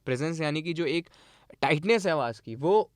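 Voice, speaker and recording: A man's voice: a little high, expressive, moderate pace, no echo, clean studio sound. A man teaching audio basics to a small class, putting questions to his students and explaining by comparing recordings.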